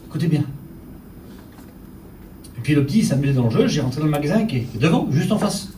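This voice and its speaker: A man's voice: a little high, very animated, fast talker, dark tone, a little hiss or hum. A middle-aged man preaching a sermon, telling a personal story to the congregation and speaking to them directly, in a church. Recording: echoey church from far off. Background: faint ambience, congregation saying amen.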